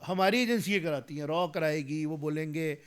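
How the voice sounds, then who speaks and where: A man's voice: a little high, a little fast, smooth. A man, giving emphatic political commentary in an interview, mixing in English phrases and growing heated as he argues. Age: 40s. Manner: emphatic, rising to heated argument; mixes English phrases into speech. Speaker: guest commentator.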